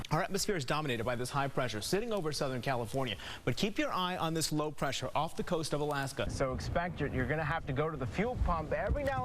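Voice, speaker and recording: Over noticeable background noise, a man with a fairly high pitch speaks at a very fast pace with lively intonation. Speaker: TV reporter. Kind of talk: TV news reporter stand-up.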